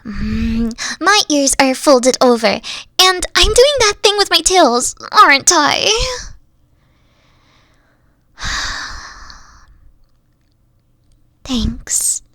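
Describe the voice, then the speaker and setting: A young woman voicing a weary, gentle fox-spirit girlfriend in an audio roleplay, soft-spoken and hesitant, often trailing off. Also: sits high, very animated, drawn-out words, pauses often, no room sound, clean studio sound, full character voice. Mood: vulnerable.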